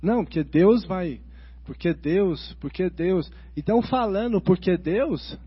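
A man chatting casually about faith, telling stories with quick asides and restarts. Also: high voice, animated, breathy edge. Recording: dull lo-fi recording.

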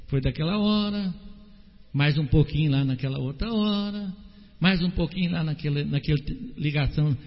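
Um homem pregando num culto, com voz animada que sobe e desce de forma dramática. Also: male voice, long reverb tail, highs cut off. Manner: animated preaching with dramatic swings of pitch and pace. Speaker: pastor. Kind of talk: sermon. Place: church hall.

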